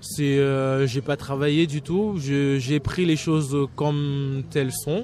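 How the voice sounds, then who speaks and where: A man's dark, mellow voice, fairly high in pitch, at a very slow pace with fairly even intonation. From Cameroon. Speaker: student. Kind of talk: radio interview. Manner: hesitant, many fillers.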